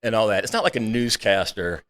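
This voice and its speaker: A man's voice: on the low side, very animated, brisk, fairly bright tone. Laid-back male podcast co-host. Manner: short agreeing replies, laughing. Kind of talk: casual podcast chat.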